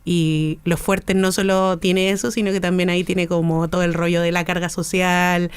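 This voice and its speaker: Smooth-voiced Chilean interview host. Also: mid-range voice, level tone, moderate pace. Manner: easygoing, chatty. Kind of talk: interview conversation.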